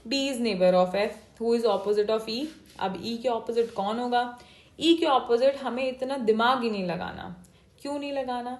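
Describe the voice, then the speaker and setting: A woman teaching an exam-prep class, with a slightly high voice and an unhurried, deliberate pace. She walks through each step, switches between Hindi and English, and keeps checking in with her students. She is recorded in an echoey room. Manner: explains step by step, mixing Hindi and English, checks in with "theek hai". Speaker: reasoning teacher.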